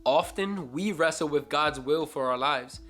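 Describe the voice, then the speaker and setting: A man's voice: a little high, unhurried, a bit bright, soft background music. A man hosting a Christian book review vlog, talking in an earnest, reflective, almost preacherly way.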